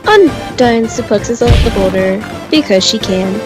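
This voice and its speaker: A woman playing a deadpan narrator who comments drily on the action in a comic dub. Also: fairly high pitch, unhurried. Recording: music behind the voice.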